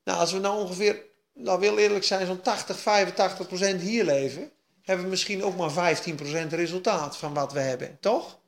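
A woman preaching a sermon, swinging between quiet asides and loud, excited bursts. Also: lowish voice, fairly quick. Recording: echoey room.

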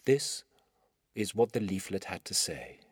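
A middle-aged man with an Iranian accent reading his own literary story in measured, dramatic phrasing. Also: low voice, lively intonation, slightly rough, dry recording, clean studio sound. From Iran. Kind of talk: scripted literary narration.

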